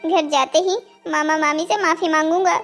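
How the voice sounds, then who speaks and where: A woman's voice: high-pitched, steady tone, moderate pace, fairly bright tone, soft background music. A woman voicing a naive, dutiful young boy in a cartoon story, polite and earnest. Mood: remorseful, earnest. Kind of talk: scripted cartoon story dialogue.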